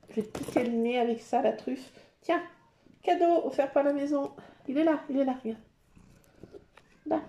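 A high-voiced woman chats away over a craft project, cooing and baby-talking to her cats and playfully grumbling at herself. The recording sounds echoey, like a bare room at home. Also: normal speed, pauses often, warm tone. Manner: playful, bickers with herself in a mock-annoyed voice. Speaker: crafting vlogger. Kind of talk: casual chat while making a collage.

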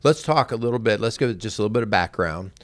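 A man's voice: fairly low pitch, expressive, fast, no room sound. An American man in his fifties co-hosting a casual family radio talk show, plain-spoken, repeating points for emphasis. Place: small wood-panelled studio. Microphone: close studio mic on boom arm, with headset.

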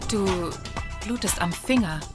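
A woman's voice: medium pitch, a little slow, over music, natural voice. A woman playing an impatient, curt girlfriend in an audio drama.

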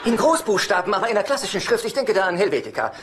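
An actor playing a nervous, easily tempted chiropractor in a dubbed sitcom, halting and exasperated. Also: male voice, high-pitched, big pitch swings. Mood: sheepish, hesitant. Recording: noisy sitcom soundtrack with studio audience laughter.

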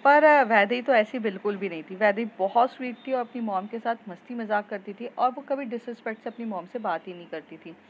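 A woman's voice: a little high, a little fast, hardly any pauses, dull audio, slight background noise. A woman narrating a love story in a chatty, casual way, with fillers and restarts.

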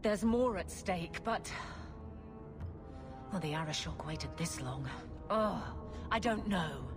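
A woman's voice: fairly low pitch, lively intonation, slow pace. A woman voicing a stern, dutiful and wary warrior woman in a video game. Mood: reluctant. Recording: game music underneath.

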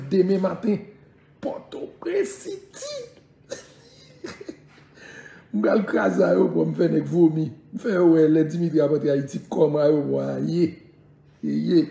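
A Haitian-accented man talks off the cuff on a live stream, wandering from point to point and calling on viewers to share. His voice sits a little high yet sounds gravelly and mellow. The room around him gives it a clear echo. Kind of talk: casual live-stream chat.

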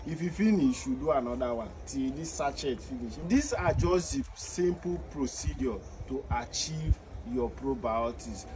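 A man's voice: mid-range voice, expressive, measured pace, hardly any pauses. Male fish farmer, thirties, Nigerian Pidgin accent, patient instructive delivery that repeats steps, outdoor phone-video sound with a noisy open-air background. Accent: Nigerian Pidgin English. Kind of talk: outdoor farming tutorial. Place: outdoors beside fish tanks on a farm. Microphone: phone camera at a short distance. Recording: outdoor phone video with noticeable ambient noise.

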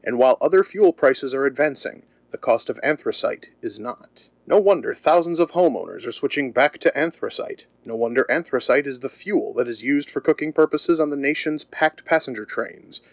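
A man's voice: mid-range voice, animated, normal speed, gravelly, few pauses, no echo. Dry-sounding male vintage radio announcer. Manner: polished, emphatic salesman delivery. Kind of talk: 1930s radio commercial read.

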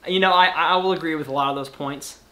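Bright-voiced young male host on a video call. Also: a little high, quick pace. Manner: easygoing, playful, wraps up the show. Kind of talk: casual debate over a video call. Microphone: webcam on a video call.

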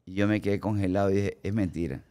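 A man in his forties with an Ecuadorian accent, a guest actor telling animated stories in a podcast studio on a boom mic. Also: fast talker, smooth. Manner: animated storyteller acting out quoted remarks. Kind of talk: casual podcast storytelling. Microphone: studio mic on boom arm, headphones.

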